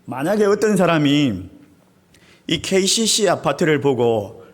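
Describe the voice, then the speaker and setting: A man's voice: fairly high pitch, very animated, a little slow. A man, the senior pastor, preaching a Sunday sermon in a church sanctuary. He tells stories animatedly, acts out crowds and weeping, and keeps turning to speak straight to the congregation. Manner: often appeals directly to the congregation.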